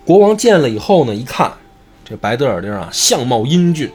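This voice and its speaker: A man's voice: mid-range voice, very animated, a little fast, a little mellow, faint music behind. A man telling a folk tale in a chatty, joking comic storytelling style.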